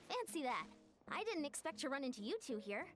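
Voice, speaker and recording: A friendly young woman from a video game. Her voice sits high and moves with lively melody, while music plays softly underneath. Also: a little fast. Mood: pleasantly surprised. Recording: game audio over background music.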